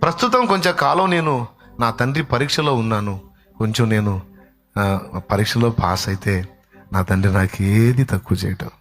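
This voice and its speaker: Dramatic male preacher, medium pitch. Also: a little fast, pauses often, faint music behind. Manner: dramatic, voices angry relatives, swings from shouting to soft. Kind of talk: sermon acting out scolding dialogue.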